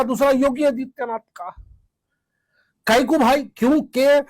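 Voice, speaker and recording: A man's voice: high voice, no echo. A man giving impassioned political commentary, fiery and sarcastic, full of rhetorical questions.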